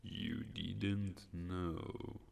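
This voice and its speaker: A man voicing an ancient fire being, an amused and menacing villain boss in a video game, slow and formal with a raspy voice. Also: steady tone, a little mellow, heavily acted. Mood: measured menace. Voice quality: very deep, gravelly, breathy rasp. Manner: slow, measured, taunting, formal wording. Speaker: final boss villain in a visual novel game.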